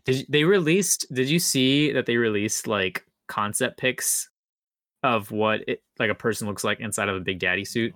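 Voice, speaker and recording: A man's voice: lowish voice, moderate pace, a bit bright, no room sound, studio quality. A man co-hosting a podcast in casual chat, rambling as he thinks aloud. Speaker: podcast co-host.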